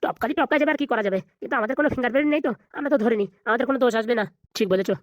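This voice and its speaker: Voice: medium pitch, very fast, dry recording, studio quality, voice pushed down, natural voice. A voice artist voicing a lazy police officer and his constable in a cartoon. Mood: scheming.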